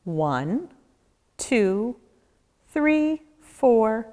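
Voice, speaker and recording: Lady doing a kids read-aloud, takes her time, really up and down voice, big echoey room. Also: on the high side. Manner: expressive, deliberate storytelling with pauses and questions for young listeners. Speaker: nature educator reading a children's book aloud. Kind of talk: children's read-aloud narration.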